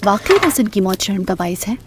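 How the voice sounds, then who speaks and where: A woman voicing a sharp-tongued young woman who rebuffs a pushy suitor, curt and indignant. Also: mid-range voice, very animated, fairly quick, noisy background, natural voice. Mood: gentle.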